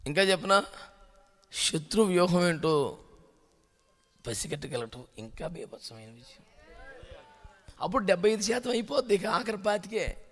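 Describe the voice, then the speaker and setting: A man preaching a sermon, animated, asking rhetorical questions and dropping English words into his talk. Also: high-pitched, normal speed, pauses often. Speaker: pastor.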